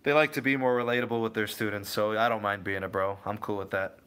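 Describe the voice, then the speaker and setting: A man's voice: fairly low pitch, fairly even intonation, fast talker, fairly bright tone, clean tone. A young man from the Cleveland area casually hosting a tech livestream, answering viewers by name and often backtracking mid-thought. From Cleveland area, USA. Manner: rambling, self-correcting, answers viewers by name. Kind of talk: casual live chat reading viewer comments.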